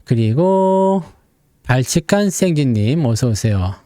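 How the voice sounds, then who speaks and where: A man's voice: mid-range voice, very animated, takes it slowly, warm tone, no room sound, clean studio sound. A man hosting a stock market livestream. He chats casually and jokes as he greets viewers by name, one after another. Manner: chatty, jokey, reads viewer names one after another. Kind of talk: casual live-stream chat greeting viewers.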